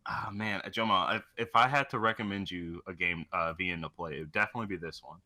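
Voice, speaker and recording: A low-pitched man with a very bright, forceful voice, chatting loosely as a podcast co-host. He rambles through casual game talk and swears heavily. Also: fast. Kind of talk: casual chat about video games.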